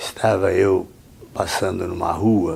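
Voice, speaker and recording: Very slowly, a man talks in a fairly low register. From southern Brazil, Santa Catarina. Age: 70s. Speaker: retired army major and businessman, interviewee. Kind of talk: oral history testimony.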